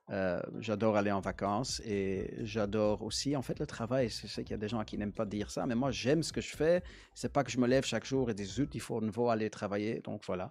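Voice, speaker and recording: Speaking at a fairly quick pace with hardly any pauses, a man with a Dutch accent uses a fairly low voice with vocal fry and ordinary pitch variation. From Belgium, Antwerp. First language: Dutch (speaking French). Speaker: politician. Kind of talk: radio interview. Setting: radio studio. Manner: halting.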